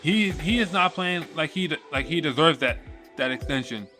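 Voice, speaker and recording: A man co-hosting a casual sports talk show, giving short agreeing replies and steady analysis. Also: on the high side, normal speed, soft background music. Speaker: sports podcast co-host.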